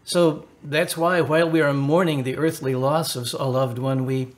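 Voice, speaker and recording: A man's voice: mid-range voice, fairly even intonation, moderate pace, natural voice. A man acting the part of an earnest, solicitous Catholic priest in a radio drama, speaking formally and a little hesitantly in a consoling, pastoral way.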